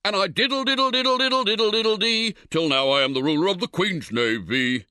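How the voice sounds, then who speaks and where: A man voicing a flustered, bumbling English amateur singer at a party in a comic audiobook, halting, blustering and excitable. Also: high-pitched, clear, resonant tone, dry recording, clean studio sound, voice pushed up. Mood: cheerfully muddled.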